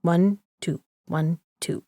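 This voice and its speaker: A woman performs a woozy, stubborn poker player for an audio drama. Her slightly low voice drags along very slowly with a drowsy, loopy lilt. The sound is dry, with no room around it. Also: fairly even intonation, dark tone, no room sound. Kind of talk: scripted audio drama acting.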